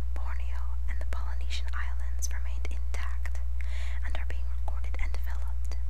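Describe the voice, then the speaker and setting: Whispering and soft-spoken at a moderate pace, the voice comes through noticeable background noise. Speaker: ASMR creator. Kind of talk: reading of an educational text on medicinal plants. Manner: whispered, soft-spoken, calming.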